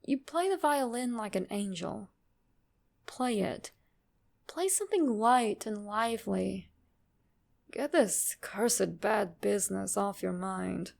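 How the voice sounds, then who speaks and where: A woman voicing a grave, measured male physician with formal, deliberate speech in a dramatic horror reading. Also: medium pitch, expressive, creaky, darkish tone.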